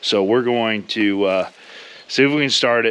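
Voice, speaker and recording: A man with a normal speaking voice, fairly low in pitch, with ordinary pitch variation. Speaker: farmer vlogger. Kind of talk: casual vlog chat. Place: garage. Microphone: phone near.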